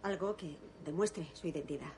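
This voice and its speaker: An actress dubbing a firm, formal store security guard who keeps insisting politely on identification. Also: female voice, low voice, normal speed, darkish tone, a little hiss or hum, lightly acted. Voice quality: insistently polite, repeating "señor". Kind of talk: dubbed film drama.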